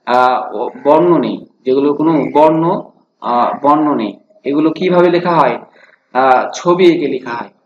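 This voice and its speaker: A male teacher with a Bangladeshi Bengali accent giving a grammar lesson, asking questions and answering them himself and repeating key points, mixing English words into his explanations. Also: on the high side. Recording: dull lo-fi recording with faint noise.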